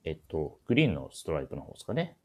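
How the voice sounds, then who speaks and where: Guy with a really deep voice hosting a clothing shop radio show, polite, kinda hesitant. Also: wildly swooping pitch, racing, warm tone, breathy edge. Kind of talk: casual radio-style talk introducing clothes.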